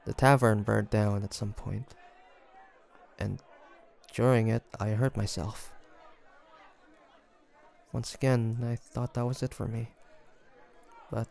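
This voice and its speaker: A man playing a guarded young demon hunter in an intimate audio roleplay, hesitant and confiding, with a softer side showing through. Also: lowish voice, steady tone, takes it slowly, gravelly, long pauses, a faint crowd. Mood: wistful, confiding.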